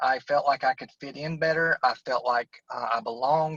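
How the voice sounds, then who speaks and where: The speaker has an Appalachian accent and a fairly even intonation at a moderate pace. The sound is dry and close with no echo. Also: man. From West Virginia. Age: 30s. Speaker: person in addiction recovery. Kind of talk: testimony.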